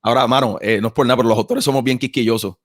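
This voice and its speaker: A Puerto Rican man chats in a loose, animated podcast style, circling back over his own phrases and peppering them with slang. His voice sits at an ordinary middle pitch. The sound is dry and close, with no room around it. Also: rapid-fire, no room sound. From Puerto Rico. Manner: animated, repeats himself, slangy with frequent "mano". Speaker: podcast host and author. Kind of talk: casual conversation.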